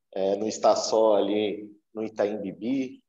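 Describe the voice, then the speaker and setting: Speaking at a very slow pace, a man with a dark, mellow tone is heard against a quiet background with audible room echo. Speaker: lawyer. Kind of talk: webinar talk. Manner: informal. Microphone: video call.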